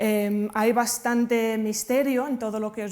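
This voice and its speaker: The speaker is a woman going at a fairly slow pace. Her intonation is flat and monotone. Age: young. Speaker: art professor, researcher. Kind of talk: lecture. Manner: halting, many fillers.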